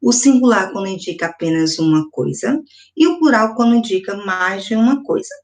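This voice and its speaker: A woman with a Brazilian accent teaching a first-grade video lesson, speaking slowly and emphatically and repeating each example word. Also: medium pitch, animated. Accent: Brazilian Portuguese. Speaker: primary school teacher.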